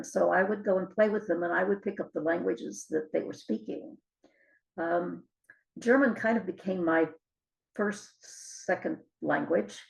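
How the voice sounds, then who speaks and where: Older female author, interview guest. Gravelly, fry-edged voice, mid pitch, reflective conversational storytelling. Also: rough recording.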